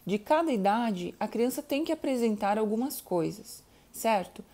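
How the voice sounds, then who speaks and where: A woman's voice: a little high, lively intonation, normal speed, mellow. A middle-aged woman teaching parents about children's speech, explaining patiently, calling out to her listeners and sounding out baby syllables. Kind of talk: educational talk to parents.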